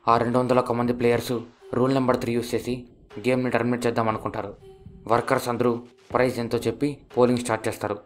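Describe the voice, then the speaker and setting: Fast flat-voiced man with a Telugu accent. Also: mid-range voice. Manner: fast, flat, steady telling. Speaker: narrator explaining a series. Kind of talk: fast scripted plot narration.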